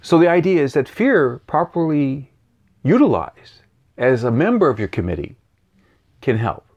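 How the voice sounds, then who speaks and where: A man speaking as a guest coach in an interview, animated and repeating key phrases for emphasis. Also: mid-range voice, moderate pace, muffled recording. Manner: animated, acts out voices and sounds. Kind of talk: interview answering questions.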